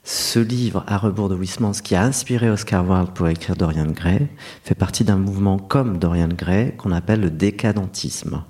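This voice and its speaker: A middle-aged man, a novelist, answering interview questions about his writing in an earnest, reflective way, pausing often with hesitations. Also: deep voice, darkish tone. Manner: reflective, earnest, speaks of himself at length with frequent hesitations. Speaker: novelist guest. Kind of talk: interview conversation.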